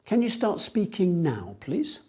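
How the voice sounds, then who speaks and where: A woman examiner putting formal interview questions in a measured, procedural way. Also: fairly low pitch, sing-song, mellow, husky. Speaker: speaking test examiner.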